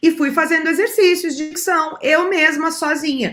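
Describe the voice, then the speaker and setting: In a very clean recording with a silent background, a woman projects a raised voice with a bright, sharp tone. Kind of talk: casual, explaining.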